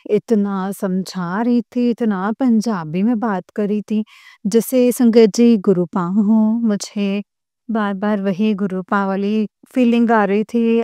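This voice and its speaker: A woman's voice: mid-range voice, fairly even intonation, slow, dark tone, smooth, no room sound. A young woman earnestly retelling a personal devotional experience to fellow believers, full of emotion and quoted back-and-forth. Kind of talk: heartfelt personal testimony.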